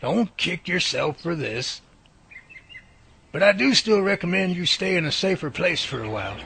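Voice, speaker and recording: A man's voice: high-pitched, expressive, normal speed, vocal fry, pushed and bright, slightly rough, full character voice. A man playing an earnest, reassuring professor who studies Bigfoot, explaining things emphatically in a radio drama. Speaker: Bigfoot researcher character. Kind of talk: amateur radio drama dialogue.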